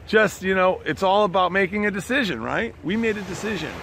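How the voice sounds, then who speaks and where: A man's voice: brisk, creaky, a bit bright. A man hosting a casual promotional vlog with an enthusiastic, salesy manner, often repeating his phrases. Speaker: online business promoter and host. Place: outdoors beside the ocean. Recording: noisy outdoor recording with background rumble.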